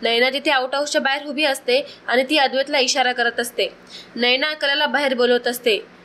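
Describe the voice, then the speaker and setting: Woman recap narrator, high-pitched and bright, storytelling with chatty asides. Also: steady tone, brisk. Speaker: narrator of a serial episode recap.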